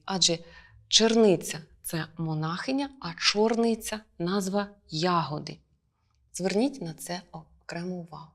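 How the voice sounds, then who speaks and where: Woman teacher going through spelling rules, slow and careful, hits each example word. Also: mid-range voice. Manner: clear, measured, stresses each example word. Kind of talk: lesson.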